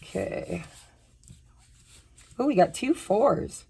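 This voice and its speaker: A woman, slightly hoarse while her voice recovers, chatting casually and apologetically through a pick-a-pile tarot reading. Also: medium pitch, lively intonation, slow, warm tone, slight background noise. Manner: chatty, apologetic, tells personal updates while shuffling. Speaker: tarot reader.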